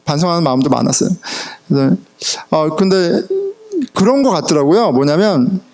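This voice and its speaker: Male pastor, middle-aged, lively swinging pitch, storytelling sermon, laughs often. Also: normal speed. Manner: animated storytelling, laughs often, mixes in English words. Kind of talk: sermon with personal stories. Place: church sanctuary.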